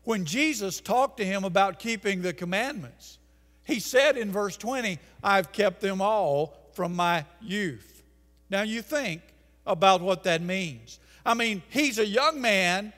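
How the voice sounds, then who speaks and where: A man's voice: high-pitched, animated, a bit bright. Older man preaching in a reverberant church. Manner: emphatic preaching, slowing for key phrases, gesturing at pulpit. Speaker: pastor. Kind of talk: sermon. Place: church sanctuary. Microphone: pulpit mic.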